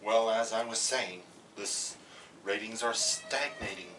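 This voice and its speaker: A man playing a matter-of-fact film producer, speaking haltingly in an amateur cartoon parody. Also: fairly low pitch, far from the mic, noisy background, voice pushed down, natural voice.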